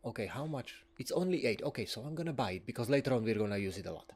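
A man's voice: mid-range voice, lively intonation, rapid-fire, a little mellow, husky. A man giving casual, rambling commentary while playing a video game, often chuckling. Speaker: let's play gamer.

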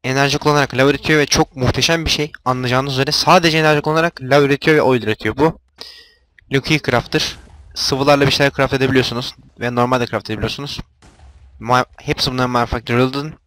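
A man's voice: mid-range voice, fairly even intonation, quick pace, a bit bright, slight background noise. A young man giving casual gameplay commentary, explaining machines and getting exasperated when they fail. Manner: exasperated, talks to game machines, frequent outbursts. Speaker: gameplay video host.

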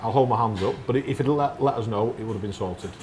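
A man's voice: mid-range voice, fast talker, darkish tone, a little hiss or hum. A man, a restaurant owner answering bluntly and matter-of-factly. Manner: blunt, firm, matter-of-fact. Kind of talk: casual interview. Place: restaurant dining room. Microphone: lapel mic.

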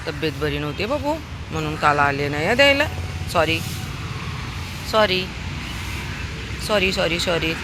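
A woman vlogging on a city street, talking casually to viewers and coaxing street dogs with loud, high calls. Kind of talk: casual vlog talk. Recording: noisy outdoor street recording.

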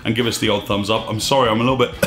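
A man in his thirties hosting a scuba diving vlog, talking emphatically and a bit exasperated, his voice slightly hoarse. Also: on the low side, fast talker, a bit bright. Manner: emphatic, exasperated, gestures with hands. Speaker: scuba diving channel host. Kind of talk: opinionated to-camera vlog. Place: small indoor studio room. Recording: echoey room with faint music.

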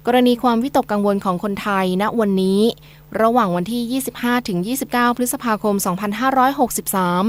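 A woman reading scripted news as a radio newsreader. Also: medium pitch.

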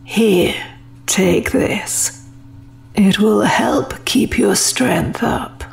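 An elderly, wealthy lady played by a woman speaks very slowly, with a creaky edge. She is genteel and sweetly condescending, as in an audio drama. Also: mid-range voice, full character voice. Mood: sweetly commanding. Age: older. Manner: genteel, unhurried, patronizingly sweet. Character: wealthy, frail but iron-gripped elderly lady, sweetly gracious.

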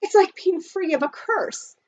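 A woman's voice: very high voice, animated, measured pace, darkish tone, pitched above the performer's own voice. A woman voicing a genteel, joyful and teasing aunt with exclamatory manners in a storybook reading. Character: genteel adult aunt, joyful, teasing, firm-minded Boston lady.

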